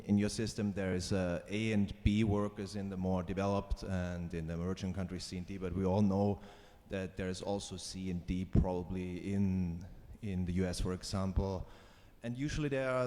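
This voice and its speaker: Low-voiced young Austrian man, hesitant. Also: steady tone, normal speed, warm tone. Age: young adult. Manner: hesitant, searching for words. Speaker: audience member, master's student. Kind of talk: asking a question at a lecture. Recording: reverberant lecture hall.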